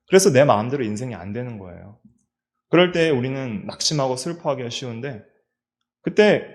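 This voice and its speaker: A man's voice: medium pitch, darkish tone. A middle-aged man, a pastor with a Daegu-region Korean accent, preaching a sermon in a church and asking his listeners many questions. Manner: preaching with rhetorical questions and repetition. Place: church sanctuary.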